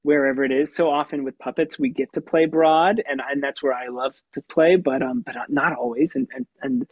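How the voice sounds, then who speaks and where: Man, puppeteer, youthful tenor voice, animated, slightly husky tone, dry sound. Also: fairly high pitch, brisk, no room sound, lo-fi sound. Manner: animated, laughs often. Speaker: puppeteer and voice actor. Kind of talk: conversational interview answers.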